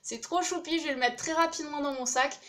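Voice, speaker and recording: A woman's voice: sits high, quick pace, fairly bright tone. A young woman chatting casually and enthusiastically as she unboxes craft supplies, with many fillers. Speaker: craft YouTuber opening a swap package.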